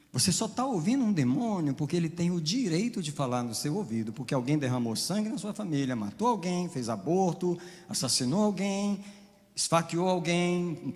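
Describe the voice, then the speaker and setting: A man's voice: on the high side, a little mellow. A male pastor preaching a deliverance sermon, exhorting the congregation emphatically. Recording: long hall reverb.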